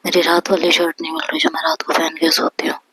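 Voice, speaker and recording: A woman whispering the part of a gruff, short-tempered young woman in a whispered role-play, speaking in curt, clipped lines. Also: lowish voice, sing-song, quick pace, fairly bright tone, no echo, exaggerated voice, poor audio.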